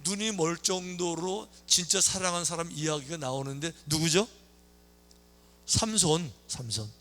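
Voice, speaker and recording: A man preaching a sermon as a pastor, telling stories in a lively way, acting out the characters' lines and tossing questions at the congregation. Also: fairly high pitch, unhurried. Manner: lively storytelling, acting out quoted lines, chatty asides to the congregation. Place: church sanctuary.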